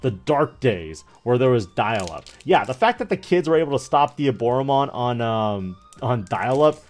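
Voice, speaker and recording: A man in his thirties talks in an animated, rambling, jokey way, like a streamer casually chatting to his viewers. His pitch jumps around freely. Music plays faintly behind him. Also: normal speed. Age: 30s. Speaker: streamer opening trading card packs. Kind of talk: casual livestream chat.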